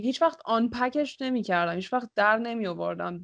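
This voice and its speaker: Dry and close with no echo, the recording captures a woman with a normal speaking voice talking at a moderate pace with ordinary pitch variation over a quiet background. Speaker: podcast guest, aspiring voice actor. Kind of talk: casual chat. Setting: online call.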